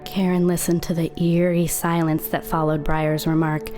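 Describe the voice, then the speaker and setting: A woman playing a haunted, confiding teenage girl who narrates a horror audio drama in a deliberate, dramatic way. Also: sits low, flat delivery, darkish tone, soft background music, lightly acted. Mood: hushed suspense.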